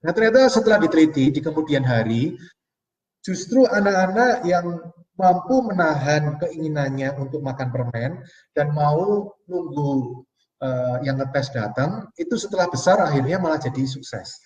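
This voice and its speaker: A man's voice: fairly high pitch, animated, normal speed, darkish tone. A man in his forties giving a motivational live online seminar on money, speaking to viewers as friends and reading out their comments. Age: 40s. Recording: roomy, distant, dull-sounding audio.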